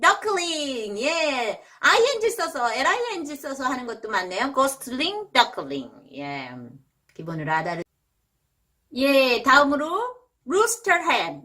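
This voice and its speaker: A Korean woman teaching English vocabulary in a casual video lesson, jumping high to imitate animal sounds. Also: pushed and bright.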